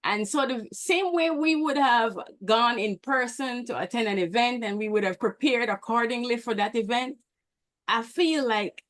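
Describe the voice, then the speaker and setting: A woman from Belize sharing earnest, somewhat halting comments as a guest on an online meeting video call. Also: on the high side, no room sound. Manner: earnest, hesitant restarts.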